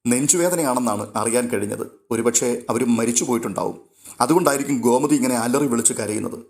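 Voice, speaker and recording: A man's voice: mid-range voice, fast talker, a little mellow, close to an everyday voice. A man voicing village neighbor women who gossip and speculate.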